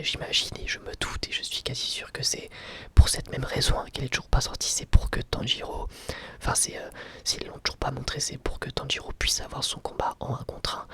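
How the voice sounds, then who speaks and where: A man's voice: mid-range voice, bright, forceful tone. Whispering man, casual ASMR reviewer. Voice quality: breathy, unvoiced whisper.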